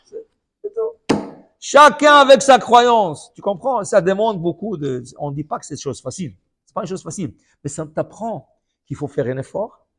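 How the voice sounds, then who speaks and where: A man, a rabbi, giving a lively sermon full of stories. He repeats phrases and often checks in with his listeners. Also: high-pitched, normal speed. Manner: animated storytelling with many repetitions.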